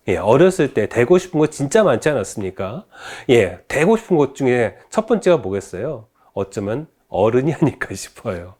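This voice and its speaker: Man, Catholic faith educator, storytelling lecture, rhetorical questions, very animated intonation. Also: medium pitch.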